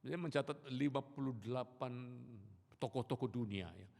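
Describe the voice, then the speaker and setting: A male pastor preaching and telling a story, turning animated and loud on his main points. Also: mid-range voice, normal speed, vocal fry. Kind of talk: sermon with storytelling. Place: church sanctuary. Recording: echoey church hall.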